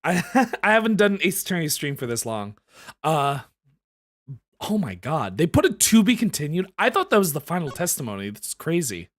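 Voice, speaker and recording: Animated woman streamer losing her voice. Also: low-pitched, moderate pace. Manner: animated, laughing, talks back to the game. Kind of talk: live game playthrough with voiced reading.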